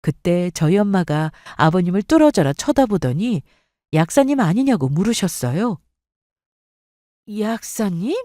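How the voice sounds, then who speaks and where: A woman reads a dramatic first-person story aloud with expressive storytelling. Her intonation is animated and moves a lot. The recording is dry and close, with no room sound. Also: lowish voice, moderate pace, dry recording. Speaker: story reader.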